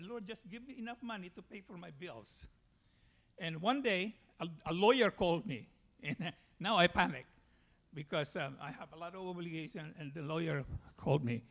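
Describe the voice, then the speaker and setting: A man from the Philippines with a Filipino accent, giving a personal church testimony in a halting way. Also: high voice, gravelly.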